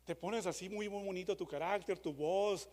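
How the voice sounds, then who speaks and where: A man preaching a dramatic sermon, moving from loud re-enacted shouts to hushed questions. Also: high-pitched, normal speed. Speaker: pastor. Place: church hall. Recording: long church hall reverb.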